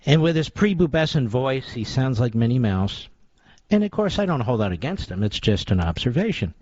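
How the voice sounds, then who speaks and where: Sarcastic, combative radio talk host. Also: male voice, medium pitch, big pitch swings, moderate pace, darkish tone, no echo. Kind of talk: opinion talk radio monologue. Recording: dull lo-fi dry sound.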